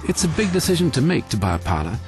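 A reflective dairy farmer who muses aloud with a lively rise and fall in his voice. Soft music plays behind. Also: a little high, very fast. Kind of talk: scripted promotional voice-over.

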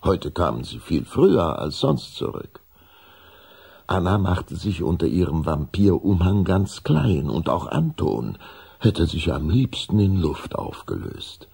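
A man with a gravelly, husky voice, acting as narrator of a children's vampire tale in an audio drama. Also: low-pitched, very animated, measured pace, a little mellow, full character voice. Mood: storytelling.

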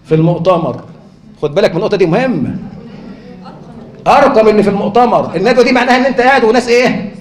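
A man's voice: high voice, very fast, pauses often. A man with an Egyptian accent giving a conference lecture, who keeps asking rhetorical questions and answering them himself. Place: lecture hall. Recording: echoey hall.

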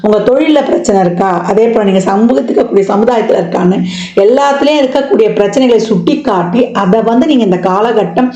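A woman astrologer explaining a yearly forecast in a steady, explanatory way, listing one point after another with many fillers. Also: on the high side, brisk, echoey room, highs cut off. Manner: explanatory, lists items with frequent fillers.

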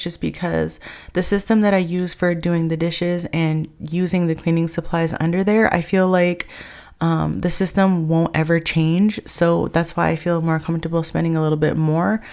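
A woman's voice: lowish voice, a little mellow. An American woman talking casually in a chatty, rambling, conversational vlog voice-over. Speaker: vlogger.

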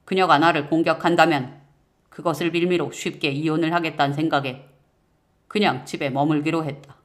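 A man narrating a first-person horror-mystery audiobook in a measured, suspenseful way. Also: fairly high pitch, fairly even intonation, a bit bright.

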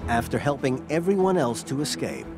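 A man narrating a documentary in a measured, dramatic scripted voice-over. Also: medium pitch, expressive. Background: loud music score.

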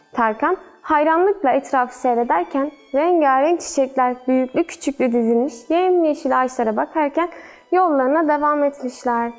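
A woman storyteller reading a children's fairy tale in a gentle, measured way. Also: high-pitched.

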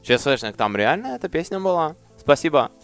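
A man's voice: fairly high pitch, big pitch swings, brisk, fairly bright tone, clean tone, soft background music. A man in his thirties giving casual live gameplay commentary, with muttered, sweary asides. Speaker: game streamer.

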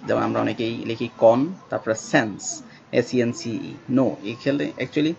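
A man whose first language is Bengali, teaching English spelling slowly and spelling words out letter by letter, with many pauses. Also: medium pitch, fairly even intonation, creaky, a little mellow. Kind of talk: spelling lesson. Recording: dull lo-fi sound with faint background noise.

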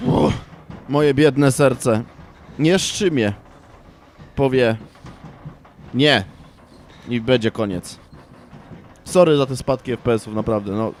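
A young man commentating a horror game, shouting in panic and then grumbling in frustration. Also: medium pitch, lively intonation, takes it slowly, long pauses, a little hiss or hum. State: frustrated and agitated. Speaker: gaming channel host.

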